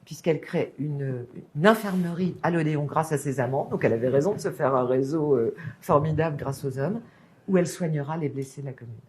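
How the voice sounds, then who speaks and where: A female author answers with emphatic enthusiasm, piling on praise and restarting her sentences as ideas rush in. Her voice sits low for a woman, with a dark, mellow tone. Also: a little fast. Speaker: author and biographer guest. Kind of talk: passionate interview answers.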